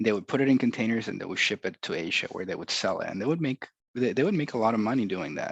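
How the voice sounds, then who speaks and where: The delivery is very fast. Its intonation is lively. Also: man, medium pitch for a man. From Venezuela. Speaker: recycling company founder and CEO. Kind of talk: podcast interview.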